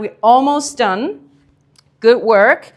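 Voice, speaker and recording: A woman with a high pitch, calm tone and lively intonation at a fairly slow pace, on a very clean recording with a silent background. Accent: non-native. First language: not English. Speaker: pilates instructor. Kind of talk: guided workout instruction. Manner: calm, breath-cued pacing.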